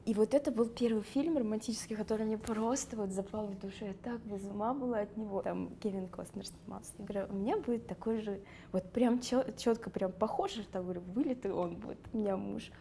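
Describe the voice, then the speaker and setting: A woman's voice: mid-range voice, fast talker, vocal fry, hardly any pauses, dark tone, slight background noise. A young woman from the North Caucasus with a light Circassian accent, chatting in a sit-down interview, laughing often and using many fillers. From Karachay-Cherkessia, North Caucasus. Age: young adult. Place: dark studio. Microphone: lapel.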